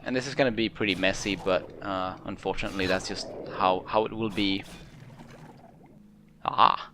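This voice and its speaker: Low-pitched man giving casual game commentary. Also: steady tone, brisk, background noise. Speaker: gamer, let's play host. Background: game music.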